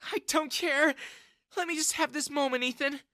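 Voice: high voice, normal speed, bright, forceful tone, no echo, studio quality, voice pushed up. A narrator doing a clingy, emotional mother. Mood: pleading.

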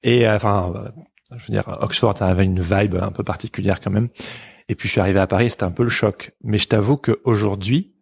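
A man from Belgium, an illustrator hosting the show, asking questions in a relaxed, conversational way. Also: fairly low pitch, a little fast, creaky, husky. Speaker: podcast host, illustrator. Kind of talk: casual interview chat.

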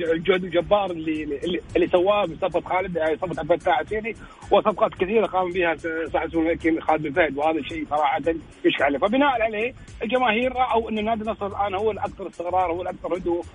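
A man defends his view in a heated sports radio debate, stumbling and repeating words as he pushes on. He talks very fast in a fairly high voice. Faint music sits under the studio sound. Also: rough recording. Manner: insistent, repeats himself, stumbles over words. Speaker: sports pundit.

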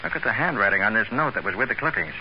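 An American man playing a sharp, confident private detective in 1940s radio crime drama style, brisk and assured. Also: fairly low pitch, animated. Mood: probing, skeptical. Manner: brisk, assured, probing questions. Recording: dull, noisy old radio recording.

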